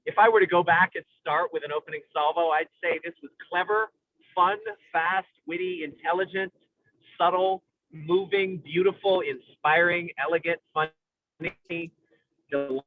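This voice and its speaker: A man in an analytical, conversational film discussion, speaking in an intellectual, halting way with academic vocabulary as he searches for words. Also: on the high side, steady tone. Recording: tinny phone-like radio-style sound.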